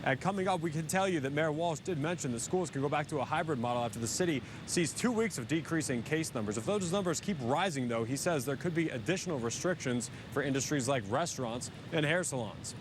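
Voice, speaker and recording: A man's voice: lively intonation, fast talker, few pauses. A man working as a news reporter, giving a scripted live report from outdoors. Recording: outdoor traffic rumble behind voice.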